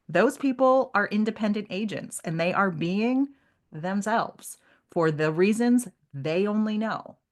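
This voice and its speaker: A woman co-hosting a podcast, talking casually about literature and slipping into imagined quotes in an animated, conversational way. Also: on the low side. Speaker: podcast co-host.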